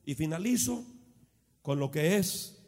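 A pastor preaching a sermon, calling on the congregation to repeat after him, shifting between shouted exclamations and quiet asides. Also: male voice, expressive, slow, in a large hall. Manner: swings from shouted exclamations to low conversational asides.

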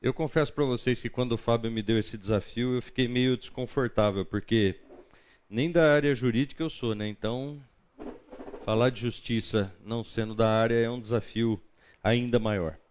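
A man's voice: mid-range voice, moderate pace, muffled recording. A Brazilian man leading a Bible study: he prays, then teaches in a chatty way, thinking aloud and often checking in with the group. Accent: Brazilian Portuguese. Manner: chatty, thinks aloud, frequent tag questions. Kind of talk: opening prayer, then conversational teaching.

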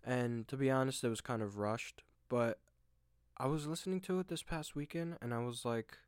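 A young man hosting a solo podcast, rambling and self-deprecating with lots of fillers and restarts, with a deep voice. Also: normal speed, clean tone, no room sound, clean studio sound. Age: young adult. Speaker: podcast host. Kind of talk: casual solo monologue. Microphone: desk microphone at home.

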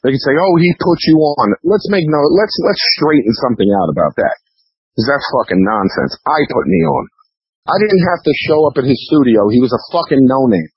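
A man's voice: mid-range voice, very animated, brisk, slightly rough, no echo. A man speaking bluntly and profanely in a casual phone interview, often repeating himself and mimicking what other people say. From New York, US. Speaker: interview guest, underground rapper. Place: phone call. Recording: dull lo-fi phone line.

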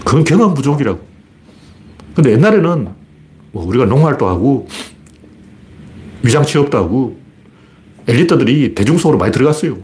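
A man's voice: medium pitch, very animated, fairly quick, long pauses, darkish tone. A man hosting his own commentary broadcast, talking in a blunt, colloquial and argumentative way with many rhetorical questions. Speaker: political commentator.

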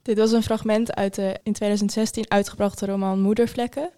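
A woman's voice: mid-range voice, flat delivery, brisk, warm tone. A woman host summarizing a novel in a matter-of-fact way. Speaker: podcast host. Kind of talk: reading a book summary.

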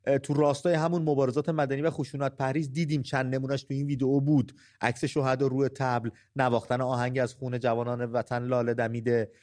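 A man's voice: mid-range voice, flat delivery, a little mellow. A man hosting a live call-in podcast, talking earnestly and asking pointed rhetorical questions. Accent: Persian. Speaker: podcast host.

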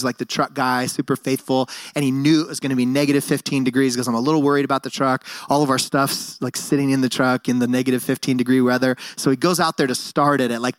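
A middle-aged man preaching a sermon as pastor, telling stories with animated calls to the congregation. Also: mid-range voice, no echo. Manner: animated storytelling, calls to the crowd. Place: church service.

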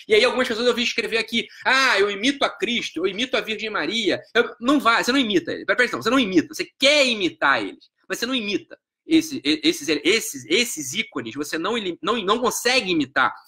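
A man's voice: sits high, sharp tone. A man with a Brazilian Portuguese accent giving a live-stream psychology lecture, emphatic and profane, constantly checking whether the listener follows. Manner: emphatic and profane, keeps asking if you follow.

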